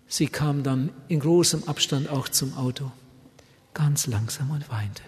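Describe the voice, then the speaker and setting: A man preaches in a large event hall, his voice carrying a long reverb that rings through the space. He sits slightly higher than most men. He swings between loud, pressing appeals and quiet, nearly whispered storytelling. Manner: dramatic swings from loud urgent appeals to hushed near-whispers. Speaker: evangelist preacher. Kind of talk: sermon with storytelling.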